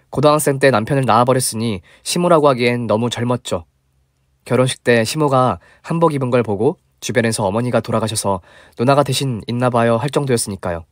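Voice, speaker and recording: A man's voice: medium pitch, dry recording, clean studio sound. A man giving scripted storytelling narration in a chatty, confiding manner.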